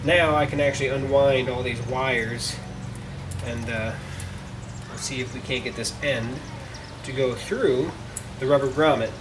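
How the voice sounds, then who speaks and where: A man's voice: mid-range voice, fairly even intonation, unhurried, long pauses. A man hosting a casual how-to car tutorial, thinking aloud in a folksy way as he works. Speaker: DIY car tutorial host. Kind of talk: casual how-to narration while working. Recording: distant mic, clearly noisy, vehicle ambience.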